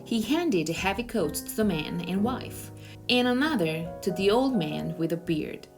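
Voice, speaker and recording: A woman's voice: mid-range voice, animated, unhurried, vocal fry, over music. A woman narrator reading a children's novel aloud in a storytelling style.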